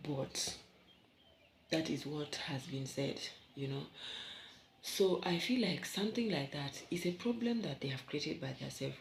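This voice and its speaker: A woman's voice: deep voice, vocal fry. A Kenyan woman vlogging from her bedroom, chatting in a rambling way with asides to her viewers. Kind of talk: casual vlog chat. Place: bedroom at home. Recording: echoey room, faint background hum.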